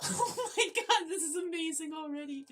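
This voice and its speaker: A woman's voice: extremely high pitch, expressive, normal speed, music in the background. A woman hosting a gaming video, playfully reading the script aloud and commenting with irreverent, sudden exclamations. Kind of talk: let's play commentary, joking read-aloud narration.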